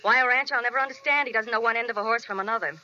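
A bitter, sardonic American wife in an old forties radio drama. Her voice is very bright and cutting, with deadpan acid wisecracks. The recording is dull and muffled. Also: a little high, racing, a little hiss or hum. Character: bitter, sardonic unhappy wife from New York. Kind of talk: 1940s radio drama acting.

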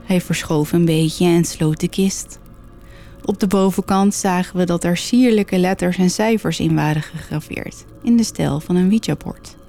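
Female horror narrator, low and mellow, steady storytelling. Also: normal speed, gravelly, faint music behind.

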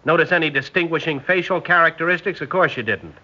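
A glib young engineer. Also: male voice, fairly high pitch, quick pace, bright, forceful tone. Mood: cocky. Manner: wisecracking, smooth-talking. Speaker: lead character and narrator. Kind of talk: 1960s radio drama acting. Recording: dull lo-fi old radio recording.

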